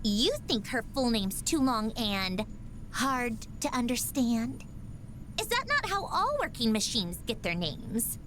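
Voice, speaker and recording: A woman's voice: a little high, big pitch swings, slow, noisy background. An actress playing a haughty, brainy young female inventor in a video game, speaking precisely and with cool superiority. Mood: matter-of-fact, superior. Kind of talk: scripted video game character voice lines.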